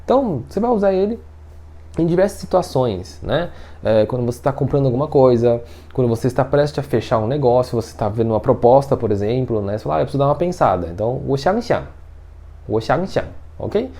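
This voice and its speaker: A man's voice: medium pitch, animated, fast, mellow. A man teaching a casual lesson, chatty and explaining with everyday examples. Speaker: Mandarin teacher.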